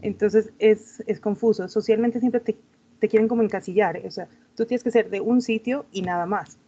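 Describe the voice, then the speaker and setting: A woman student speaking over a muffled, lo-fi video call. She reflects on a personal matter in a thoughtful, hesitant way and often stumbles and restarts as she searches for words. Her pitch sits in the middle range. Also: fairly even intonation, normal speed, dark tone. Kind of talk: class discussion.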